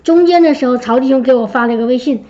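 A high-pitched woman with a mellow, warm tone shares a personal testimony with her congregation. She tells her story in a lively, animated way. The recording sounds dull and lo-fi. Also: rapid-fire. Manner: lively storytelling, acts out quoted speech. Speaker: church member giving a testimony.

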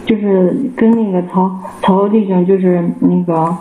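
A man giving a personal church testimony, halting and repeating himself with many fillers. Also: high-pitched, fairly even intonation, phone-quality sound. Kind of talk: casual spoken personal testimony. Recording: roomy with faint background noise.

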